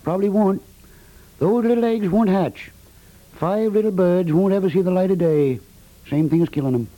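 Laconic, sentimental American contractor played by a male actor, high-pitched and mellow, folksy 1950s radio comedy. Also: moderate pace, lightly acted, poor audio. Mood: mournful. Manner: laconic, folksy, drops words, guilt-tripping. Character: stolid, folksy building contractor, sentimental about birds.

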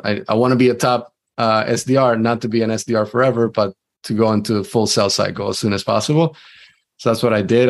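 Man, from venezuela, interview guest, lowish voice, conversational with restarts. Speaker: sales leader guest. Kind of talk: casual interview talk.

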